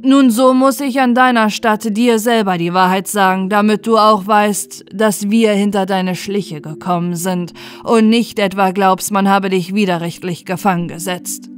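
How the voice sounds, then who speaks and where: A woman's voice: mid-range voice, steady tone, unhurried, hardly any pauses, soft background music, close to an everyday voice. A woman voicing a stern male grand vizier who firmly accuses a servant, in a fairy tale audiobook. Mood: accusing. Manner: firm, accusing, emphatic.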